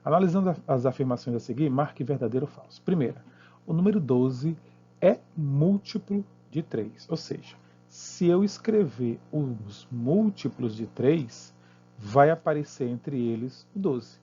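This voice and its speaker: Patient Brazilian male math teacher, mellow. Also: mid-range voice, expressive, unhurried, husky, dull audio, soft background music. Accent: Brazilian Portuguese. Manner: patient, checks in often with tag questions. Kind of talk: explaining exercises to students.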